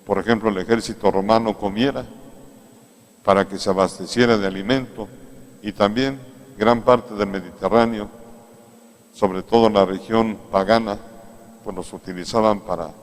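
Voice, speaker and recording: A Mexican priest preaching a sermon in an unhurried, conversational way, coming back to key phrases again and again. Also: male voice, fairly low pitch, steady tone. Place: large cathedral. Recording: echoey cathedral sound.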